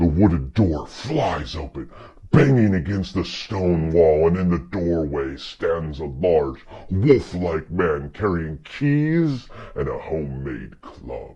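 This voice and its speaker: The speaker talks at a fairly slow pace. The intonation is lively. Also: man, very deep, low pitch for a man. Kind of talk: dramatic fantasy narration. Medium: solo performance. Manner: slow, suspenseful.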